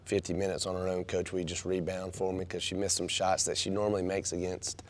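A man, a basketball coach talking in a radio interview, halting and repeating words as he goes. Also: low-pitched, monotone, a little hiss or hum. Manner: halting, repeats words, warms up when telling stories. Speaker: women's basketball head coach.

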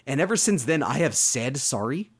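A Canadian man in a relaxed podcast chat, his pitch jumping around a lot as he talks. He breaks into little mock voices when he quotes a show. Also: moderate pace, husky. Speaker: podcast co-host. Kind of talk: casual chat reviewing a show.

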